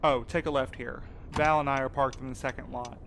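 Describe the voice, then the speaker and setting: A man's voice: medium pitch, steady tone, fairly quick, creaky, a bit bright, slight background noise. A man acting a candid, easygoing, wryly friendly character, casual and matter-of-fact, in audio drama dialogue.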